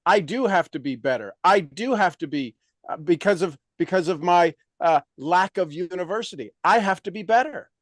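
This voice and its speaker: A man coaching in an emphatic, motivational way, animated and firm. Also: high-pitched, normal speed, no echo, studio quality. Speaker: sales coach.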